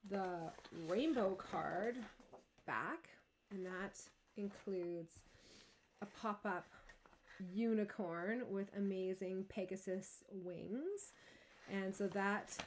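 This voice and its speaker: A chatty woman in her thirties hosts a casual card-making demonstration with easy enthusiasm. Her voice sits at an ordinary middle pitch. A faint hiss runs underneath her speech. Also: a little mellow. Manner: chatty and enthusiastic, laughs easily. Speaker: craft demonstrator and stamping club host.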